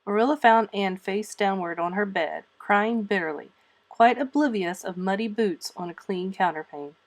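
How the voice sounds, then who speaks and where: A woman reads a children's novel aloud. Her voice sits at a middle pitch. The narration is expressive and scripted, in the manner of a storybook reader. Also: normal speed.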